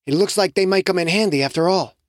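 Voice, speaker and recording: A man's voice: high-pitched, fast, no room sound, pitched above the performer's own voice, lightly acted. A narrator voicing a tense young male student who insists on reason and snaps when frustrated, in a dry, close recording. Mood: explaining.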